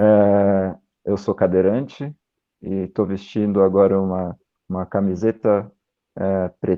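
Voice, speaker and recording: A man speaks at a very slow pace and fairly low pitch, leaving long, frequent pauses. His intonation is monotone and flat. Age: 20s. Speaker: architect and assistant teacher. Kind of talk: live interview. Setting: online live stream.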